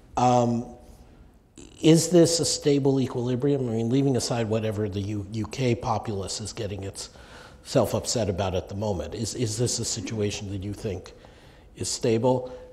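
At a moderate pace, a man speaks at a medium pitch with ordinary pitch variation in a plain, everyday voice. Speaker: event moderator at a policy institute. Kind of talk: moderated panel discussion. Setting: stage with audience. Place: hall. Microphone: lapel.

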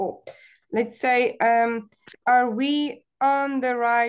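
Behind the woman's voice, the background is quiet. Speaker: English tutor. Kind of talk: online English lesson. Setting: video call. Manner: slow, patient. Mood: encouraging, patient. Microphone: video call.

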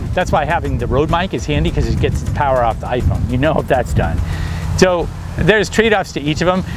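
Music plays in the background as a man talks at a very fast pace. His pitch swings very widely, and the sound is dry with no echo. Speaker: video creator testing gear. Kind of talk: casual tutorial talk. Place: waterside. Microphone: lapel.

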